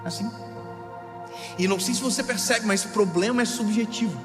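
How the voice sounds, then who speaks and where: A man in his thirties preaching a sermon with emphatic, playful delivery, rising to near shouts. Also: sits high, moderate pace. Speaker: pastor. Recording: live hall with long reverb and music.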